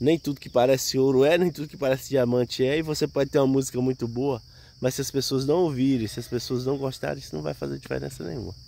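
At a very fast pace, a man speaks at a medium pitch with ordinary pitch variation. His tone is dark and mellow, with big swings in loudness. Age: 40s. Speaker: YouTuber. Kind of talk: storytelling vlog. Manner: casual, animated.

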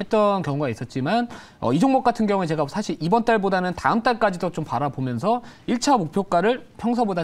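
Talking at a fairly quick pace, a man's pitch swings very widely. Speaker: stock market analyst. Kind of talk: commentary. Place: studio. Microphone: lapel.

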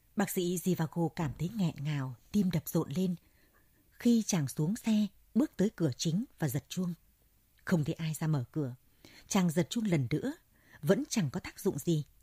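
Somewhat breathy and fairly low in pitch, a woman speaks at a fairly slow pace with long, frequent pauses. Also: lively intonation. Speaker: audiobook narrator. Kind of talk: audiobook reading. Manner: measured, steady narrative pace.

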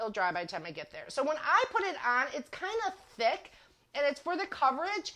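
The voice is raised and projected, bright and sharp in tone, at a fairly quick pace. It sounds animated, with very wide pitch swings and big swings in loudness. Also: woman, high pitch for a woman. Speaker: craft video host. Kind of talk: live craft tutorial. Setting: live stream video. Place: home room. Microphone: lapel.

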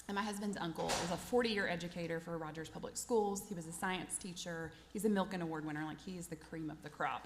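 In a Southern US accent, a woman talks at a very fast pace in a fairly low pitch with fairly even intonation, and room echo is audible. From Arkansas. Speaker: state education board chair. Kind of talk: formal meeting opening remarks.

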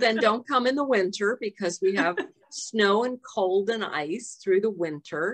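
A woman with a Midwestern accent at a fairly slow pace, ordinary pitch variation, against a quiet background. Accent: American, Midwestern. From Ohio, USA. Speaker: former French teacher. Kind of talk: interview answer. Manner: slow, distinct. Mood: cheerful, often laughing. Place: home room. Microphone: video call.

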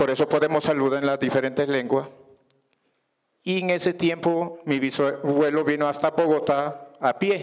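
A man's fairly high pitch with fairly even intonation and very even loudness, at a fairly slow pace over a quiet background. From Colombia. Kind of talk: panel talk. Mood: calm, measured. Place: hall. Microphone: handheld.

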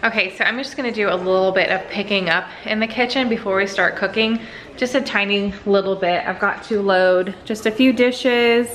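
A woman speaks at a moderate pace with fairly even intonation. Light background noise is audible. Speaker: home vlogger. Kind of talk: casual vlog chat. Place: kitchen. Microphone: phone near.

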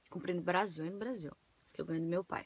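In a dry recording with no echo and light background noise, a woman talks at a medium pitch. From Brazil. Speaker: vlogger. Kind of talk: casual vlog monologue. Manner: animated. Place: home room. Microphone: phone near.

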